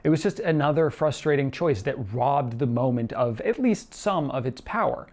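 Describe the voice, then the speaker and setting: A man's voice: mid-range voice, lively intonation, normal speed, darkish tone. A man in his thirties giving a conversational, scripted theatre review, arguing both sides with himself in an opinionated, emphatic manner. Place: small indoor room with shelves and TV. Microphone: lapel mic.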